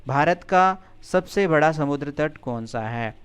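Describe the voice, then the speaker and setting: Slow, clear-voiced male teacher. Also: a little high, expressive. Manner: slow, deliberate pronunciation drill, then plain explanation. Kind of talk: video lesson, reading out and explaining Sanskrit answers.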